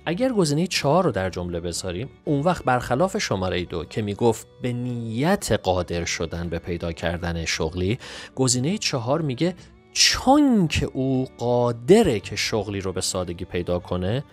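A man teaching English grammar through an exam walkthrough. He is methodical and reads the English examples out slowly and clearly. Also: mid-range voice, big pitch swings, faint music behind.

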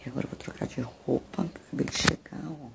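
A woman's voice: rumbling low, fast, gravelly. A middle-aged woman with a Brazilian accent chatting casually to her viewers in a rambling way, recorded on a phone at home. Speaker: vlogger. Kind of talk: casual chat to camera. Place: small rooms at home, indoors. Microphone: phone at arm's length. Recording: noisy handheld home recording.

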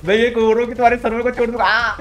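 A man giving live commentary while playing a game, excitable and repeating his words in quick bursts. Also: very high voice, lo-fi sound, a little hiss or hum. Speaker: gamer streamer.

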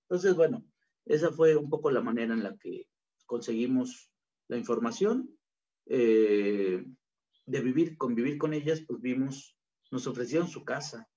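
A man's voice: mid-range voice, animated, measured pace, dark tone. A man with a Mexican accent giving an informal, colloquial conference talk on gastronomy research, acting out quoted voices as he goes. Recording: dull lo-fi recording.

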